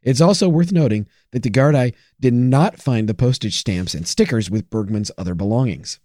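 Male co-host, careful wry narrator, warm mellow voice, dry close mic. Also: medium pitch, lively intonation, normal speed, dry recording. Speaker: podcast co-host. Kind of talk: true crime podcast narration.

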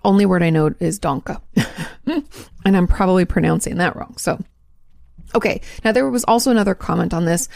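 A woman's voice: on the low side, fairly quick, gravelly, a little mellow, no echo, clean studio sound. A woman therapist hosting her own advice podcast, chatting casually and correcting herself as she goes. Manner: chatty, self-correcting, laughs at own slips. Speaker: podcast host, marriage and family therapist. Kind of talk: casual chat answering listener questions.

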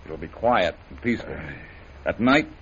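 An actor playing a confident, easygoing adventurer hero in an old radio drama. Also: male voice, low voice, moderate pace. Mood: steady. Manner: steady, easygoing, assured. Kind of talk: 1930s radio acting. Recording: dull old radio recording with faint hiss.

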